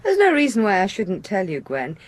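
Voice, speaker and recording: An actress playing a genteel, expressive wife with an English accent and a breathy, husky voice in a 1980s radio drama. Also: female voice, medium pitch, a little fast. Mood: intrigued.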